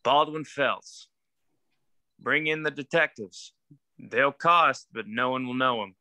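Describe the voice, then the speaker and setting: A man acts out a boss's scheming, deferential henchman. The voice is very sharp and bright, in a dry sound. He is clipped and businesslike. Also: medium pitch, slow, no echo. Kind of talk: dramatic script table read.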